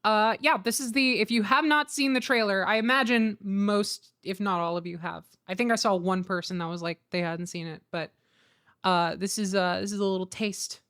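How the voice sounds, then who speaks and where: A woman's voice: medium pitch, normal speed, fairly bright tone. A woman streamer chatting casually and informally to viewers, often thinking aloud, on a close mic. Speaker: streamer and host. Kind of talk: casual livestream chat.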